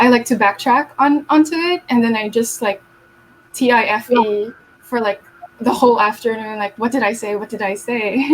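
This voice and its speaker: Over noticeable background noise, a woman with a non-native accent speaks at a moderate pace and a fairly high pitch, with ordinary pitch variation. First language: not English. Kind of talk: casual chat.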